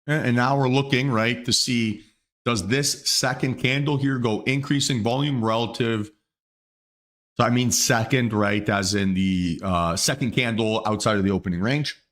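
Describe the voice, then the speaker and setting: A man with a mid-range, slightly bright voice talks at normal speed on his day trading livestream. Plagued by the hiccups, he casually thinks aloud through trades in live market commentary, with fillers and restarts.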